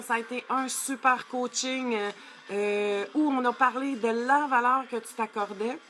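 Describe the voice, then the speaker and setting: A woman's voice: fairly high pitch, pushed and bright. A middle-aged woman, giving a live-streamed coaching talk in a chatty way, greeting viewers by name and using many fillers. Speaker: life coach.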